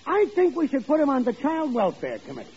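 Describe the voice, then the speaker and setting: An actor playing a genial, dim lodge brother in an old-time radio sitcom, with folksy, ungrammatical talk and grand words. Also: male voice, extremely high pitch, wildly swooping pitch, fast talker, darkish tone, exaggerated voice. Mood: genial, oblivious. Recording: dull vintage radio recording, faint noise.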